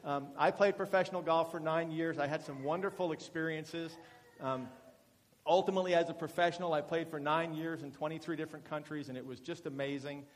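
A man in his forties speaks as a guest at a church, chatty and self-deprecating, stumbling over his words now and then. His voice sits a little high for a man. The room rings with a long, hall-like echo. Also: steady tone, fairly quick. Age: 40s. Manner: chatty and self-deprecating, with frequent fillers and restarts. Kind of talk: testimony talk to a congregation.

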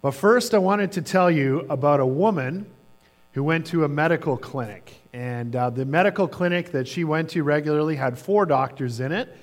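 A man's voice: fairly high pitch, normal speed. A man preaching a sermon as the pastor, telling stories in a conversational way with some fillers.

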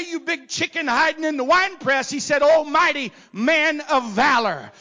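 A man preaching with a very high, bright, forceful voice. He moves from hushed, murmured asides to loud, shouted calls. He keeps a preacher's rising, rhythmic delivery. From not from Texas. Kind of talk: sermon.

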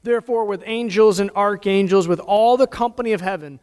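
A man's voice: high voice, brisk, a little mellow, smooth. A man with an American accent, a pastor solemnly leading formal prayers and liturgy in a church service. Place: large church interior during a service. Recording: echoey hall with long reverb.

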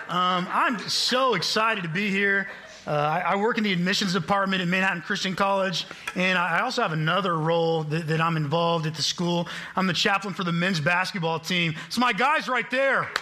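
A man's voice: sits high, sharp tone, slight background noise. A man in his late twenties from Kansas, a guest preacher giving an upbeat, joking sermon to a church congregation. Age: late 20s. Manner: upbeat, self-deprecating, joking. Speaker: guest preacher, college admissions staff. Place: church sanctuary.

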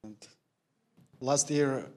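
A man's voice: mid-range voice, steady tone, extremely slow, a little mellow. A man with a Russian accent, a former missionary, talking hesitantly in broken English with many fillers.

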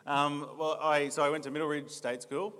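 A man's voice: on the high side, flat delivery, moderate pace, a bit bright. A young Australian man giving his personal testimony in a church interview, earnest, with many ums and restarts. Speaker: new church staff member being interviewed. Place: church hall. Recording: reverberant church hall.

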